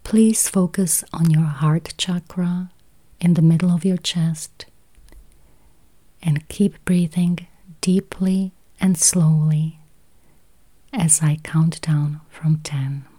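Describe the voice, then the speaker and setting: A woman whispers through a guided meditation at a very slow, unhurried pace. Her low, breathy voice stays flat and even, and she lingers over each counted number and each repeated phrase. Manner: slow, soft, repetitive counting.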